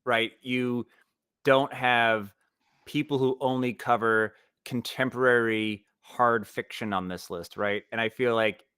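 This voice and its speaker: A man's voice: mid-range voice, fairly even intonation, bright, forceful tone, clear, resonant tone, no room sound, clean studio sound. A man chatting as a panelist, restarting his thoughts over and over as he makes a point. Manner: halting, restarts thoughts repeatedly. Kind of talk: casual panel discussion.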